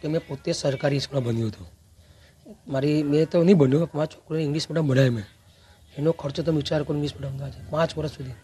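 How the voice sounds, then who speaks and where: A grieving man speaking haltingly in an interview about his child. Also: fairly high pitch, fairly even intonation, mellow, breathy edge, soft background music. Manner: halting, stumbling speech. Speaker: grieving father.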